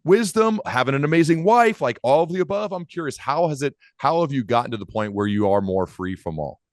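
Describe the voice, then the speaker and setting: A man's voice: medium pitch, expressive, brisk, no echo, clean studio sound. A man hosting a podcast, asking curious, probing questions with enthusiasm. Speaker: podcast host. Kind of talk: interview questions.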